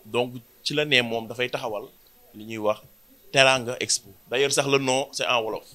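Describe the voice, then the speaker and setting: Senegalese organizer in his thirties, bright forceful voice, steady explanatory press statement, room of mics. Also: medium pitch. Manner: switches between French and Wolof, measured and explanatory. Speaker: event organizer. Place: indoor press room before a banner. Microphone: cluster of handheld press mics.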